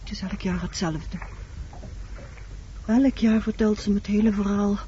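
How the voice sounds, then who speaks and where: A woman's voice: medium pitch, steady tone, a little slow, warm tone, natural voice. A muffled old radio play recording with some background noise carries an actress as a haunted woman. She is insistent and pleading, brooding over the night with dramatic intensity. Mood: restless, pleading. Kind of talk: Dutch radio play acting.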